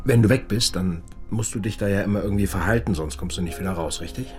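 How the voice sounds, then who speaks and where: An actor plays a tireless, calm man behind a bar in a radio drama. His voice is on the low side, and he speaks in laconic, curious, probing phrases with natural ease. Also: quick pace, soft background music, close to an everyday voice. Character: calm, curious, tireless male barkeeper, a steady confidant.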